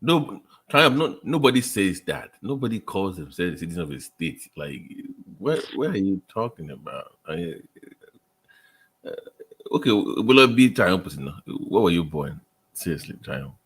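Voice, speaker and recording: A man's voice: low-pitched, big pitch swings, moderate pace, a bit bright, breathy edge. A man teasing a guest in casual panel banter, mixing English with Yoruba.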